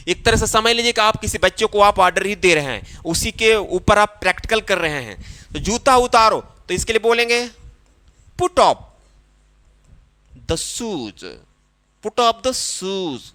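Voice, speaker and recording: A man with a Hindi-influenced English accent explains English phrases in a slow classroom manner. His voice is high and bright. He drills each phrase by saying it again, drawn out. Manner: repeats phrases slowly, drawing out English words. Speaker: spoken English teacher.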